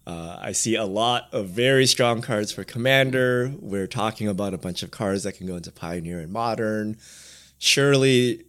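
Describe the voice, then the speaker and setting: Male podcast regular, lowish voice, a bit under the weather, matter-of-fact. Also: moderate pace, a bit bright. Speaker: podcast regular, site owner. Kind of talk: casual podcast chat.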